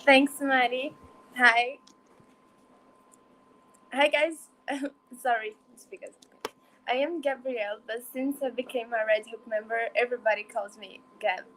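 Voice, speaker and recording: A woman's voice: a little high, fairly even intonation, measured pace, pauses often, fairly bright tone, slight background noise, low-quality recording. A woman from northern Brazil, introducing a fellow panelist in a friendly, casual way over a video call. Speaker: social media person.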